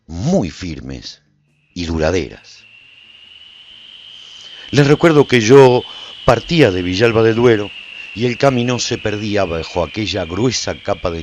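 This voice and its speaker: Lone post-apocalyptic wanderer, lowish voice, lively intonation, reflective storytelling, deliberate pauses, radio serial. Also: male voice, dry recording, lo-fi sound. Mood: reflective, recounting. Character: solitary male survivor recounting his post-collapse travels, reflective. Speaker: narrator and lead actor of a radio serial. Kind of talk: dramatic first-person radio drama narration.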